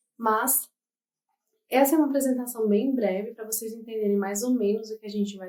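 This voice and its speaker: Fairly quick delivery in a dark, mellow tone with fairly even intonation. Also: woman. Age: 20s. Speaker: online course instructor, psychology student. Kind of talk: course introduction to camera.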